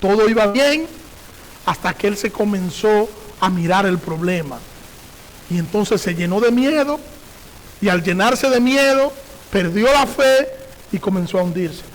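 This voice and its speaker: A man with a strikingly high voice delivers a sermon as a pastor. He leans on repetition and rhetorical questions, and he reads scripture passages aloud. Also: animated, a little slow, pauses often, low-quality recording.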